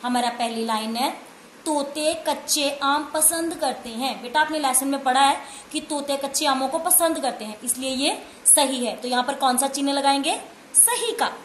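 A woman teaching a slow, patient Hindi grammar lesson to young children from home, spelling out letters and answering her own questions. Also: high voice. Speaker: primary school teacher. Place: room at home. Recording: echoey room with faint noise.

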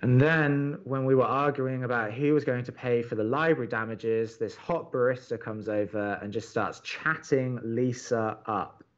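A man playing a conciliatory young college radio co-host in an audio drama, placating and a little hesitant, expressive when reading aloud. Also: medium pitch, moderate pace, few pauses, muffled recording, natural voice. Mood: reading letters.

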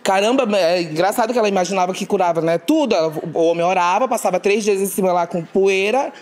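A man from Amazonas, Brazil, telling comic stories as a stand-up comedian guest. He is animated, laughs often and keeps asking "right?". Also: sits high, fast. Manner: animated, laughing often, many tag questions. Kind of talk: comic storytelling.

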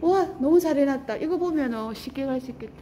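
A middle-aged woman from Busan talks in a Gyeongsang accent, high-pitched and soft-toned. She chats and exclaims freely as she tours an indoor lounge on camera, a faint hum under her voice. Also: expressive, quick pace. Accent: Gyeongsang Korean. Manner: chatty, easily delighted, exclaiming. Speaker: vlogger. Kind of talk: casual travel vlog chat. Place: indoor walking-trail lounge.

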